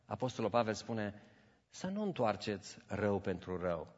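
Animated male preacher in a reverberant hall. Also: on the low side, slightly rough. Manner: animated storytelling, acts out voices in anecdotes; mixes English phrases into his preaching. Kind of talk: sermon. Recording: dull audio with long church reverb.

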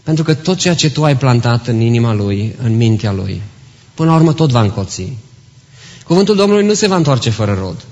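A man's voice: mid-range voice, lively intonation, a little mellow, dull audio. A man preaching an earnest sermon to a congregation in a church, exhorting and telling stories. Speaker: pastor. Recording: long reverb in church hall.

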